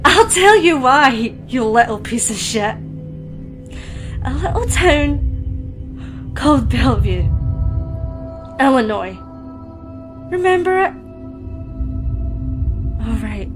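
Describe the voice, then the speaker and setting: An actress playing a bitter, vengeful young female killer in a horror audio drama, seething and deliberate. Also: high voice, expressive. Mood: bitter, anguished anger. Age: young adult. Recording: music under the voice.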